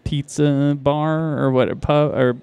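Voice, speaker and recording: A man's voice: on the high side, steady tone, takes it slowly, darkish tone, clean tone, dry recording. A man who organizes a convention tells casual stories as a guest on a live podcast, rambling with many restarts and asides. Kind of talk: casual anecdotal storytelling.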